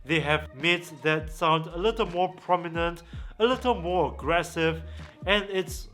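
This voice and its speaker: A man presenting a product review as a vlog host, with deliberate phrasing and pauses for emphasis. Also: fairly high pitch, a bit bright.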